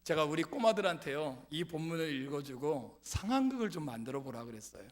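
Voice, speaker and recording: A middle-aged man preaching a sermon to his congregation, asking them questions and swinging from loud calls down to whispers. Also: on the high side, sing-song, a little fast. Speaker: pastor. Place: church sanctuary.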